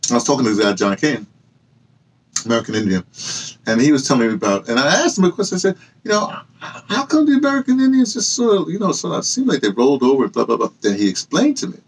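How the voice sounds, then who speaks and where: A man in his sixties with a husky voice talks casually to camera, wandering between asides and correcting himself as he tells his story. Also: medium pitch, very animated, fast talker, rough recording. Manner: digressive, self-correcting storytelling. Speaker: host of a personal memoir channel, audio dramatist. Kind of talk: casual rambling monologue to camera. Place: small indoor room with bookshelves and hung clothes.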